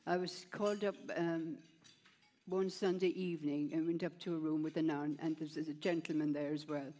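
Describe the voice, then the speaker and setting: A woman's voice: deep voice, fairly even intonation, moderate pace, mellow. An older woman, speaking as a guest in an onstage interview in a plain, rambling way, often adding "you know", on a headset mic. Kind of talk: onstage conversation, personal story. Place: stage at a large gala, indoors.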